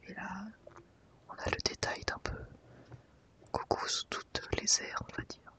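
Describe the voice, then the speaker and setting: An ASMR host, whispering softly and unhurriedly while guiding listeners through a book. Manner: soft, unhurried guided browsing through a book.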